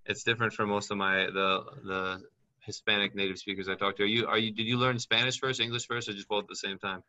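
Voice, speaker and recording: A man's voice: on the low side, flat delivery, fast talker, bright, forceful tone. A man working as a business consultant, talking in a chatty way and thinking aloud as he reads up on things during a call. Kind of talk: casual advice call.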